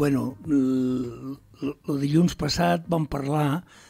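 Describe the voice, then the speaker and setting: Faint music plays in the background. Over it, a man speaks with fairly even intonation. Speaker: radio guest. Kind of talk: interview answer. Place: studio. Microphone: studio mic.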